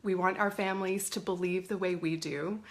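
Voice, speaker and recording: A middle-aged woman, slightly hoarse from a cold, hosting a chatty live stream from a family home. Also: on the low side, steady tone, normal speed. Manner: chatty, greets viewers by name. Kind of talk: casual live-stream talk. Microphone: phone or webcam live stream.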